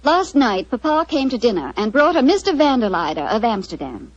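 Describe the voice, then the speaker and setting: A posh titled lady, high voice, muffled old radio sound. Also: sing-song, a little fast, no echo. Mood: firm. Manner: refined, crisp, well-bred. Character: proud, anxious titled English lady. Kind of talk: 1940s radio drama acting. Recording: dull old radio broadcast.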